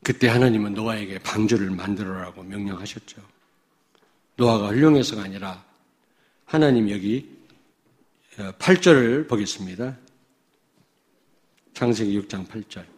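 A man from Chungcheong preaching a sermon, swinging between loud declarations and low asides to the congregation, with many rhetorical questions. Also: normal speed, long pauses. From Chungcheong, South Korea. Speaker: pastor.

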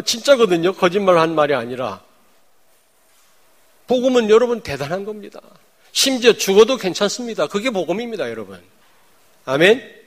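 A high-voiced pastor preaches a sermon, swinging from loud declarations to hushed, chatty asides. He keeps firing rhetorical questions at the congregation.

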